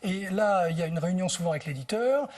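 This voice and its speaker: This TV interview guest, a translator of books, relates anecdotes with care while groping for words now and then. His high voice is quick and darkish in tone, with lively intonation.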